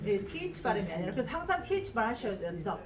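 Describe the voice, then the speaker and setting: A woman's voice: mid-range voice, big pitch swings, very fast, over a noisy crowd. A woman teaching English pronunciation to a class, modelling sounds and having them repeat. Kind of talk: classroom lecture with drills. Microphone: distant room mic. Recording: echoey classroom from far off, class audible.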